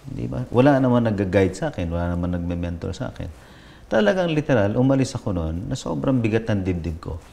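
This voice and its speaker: A man's voice: on the low side, lively intonation, fairly quick, gravelly, dark tone. A man, a pastor telling his personal testimony in a reflective way, switching between Tagalog and English. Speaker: pastor, interview guest.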